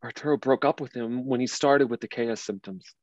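A man's voice: medium pitch, a little fast, lightly acted. A man acting a grieving, well-to-do gay man in his late thirties at a table reading, speaking hesitantly and repeating words. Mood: realising, hurt. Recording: dull, roomy sound.

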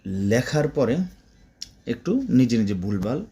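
A man's voice: lowish voice, measured pace, gravelly, mellow. A man teaching spoken Arabic to Bengali speakers, repeating words in drills and breaking off into chatty asides.

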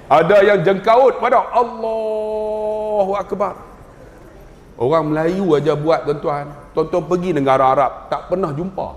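A man with a Malaysian Malay accent giving a humorous mosque lecture, telling stories, mimicking voices and slowly reciting Arabic prayers. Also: a little high. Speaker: preacher. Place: mosque hall. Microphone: wireless mic. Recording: roomy mosque hall with long reverb.

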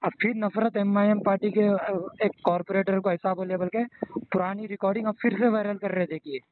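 On a tinny, narrowband phone line, a man with a Hyderabadi accent explains himself as a caller, deferential and repetitive. His voice sits high with fairly even intonation, he speaks briskly, and there's slight background noise.

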